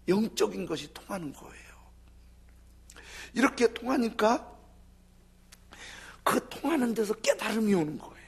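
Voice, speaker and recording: A male pastor delivers a sermon in a gravelly, somewhat husky voice that sits a little above the usual male pitch. He preaches with animation, then drops into soft, breathy half-whispers to press a point home.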